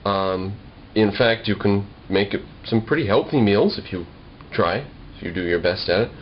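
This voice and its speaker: A man's voice: on the low side, moderate pace. A young American man talking casually to the camera in a wry, slightly formal way, explaining things in a homemade vlog. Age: young adult. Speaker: video blogger. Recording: dull lo-fi home video with noise.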